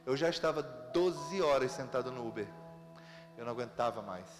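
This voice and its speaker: A man with a Brazilian accent, preaching a sermon as pastor, telling stories in a lively way with laughter. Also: medium pitch, normal speed, in a large hall, over music. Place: church sanctuary.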